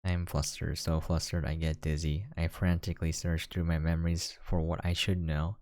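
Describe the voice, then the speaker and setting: A man's voice: rumbling low, little pitch movement, moderate pace, darkish tone, no room sound. A man reading a visual novel aloud as a gameplay host, dropping in casual, conversational asides.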